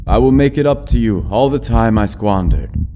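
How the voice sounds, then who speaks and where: A crazed middle-aged father turning into a monster, as a man acts him out in a dramatized horror story. He implores with fanatical menace, pitched up and loud, over background music. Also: animated, normal speed, creaky, background noise. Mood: fervent pleading. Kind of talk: dramatized horror audiobook acting.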